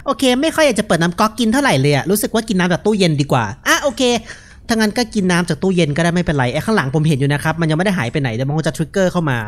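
A young man gives casual, joking horror game commentary, relaxed and unafraid, speaking into a headset mic. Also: sits high, very fast. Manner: laid-back, joking, unafraid. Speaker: gaming video host.

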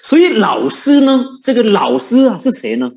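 A man preaches a Buddhist sermon, his pitch rising and falling in lively swings. He sits a little higher than most men and keeps asking his listeners rhetorical questions. He chuckles often as he coaxes them along. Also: normal speed. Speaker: Buddhist monk teaching.

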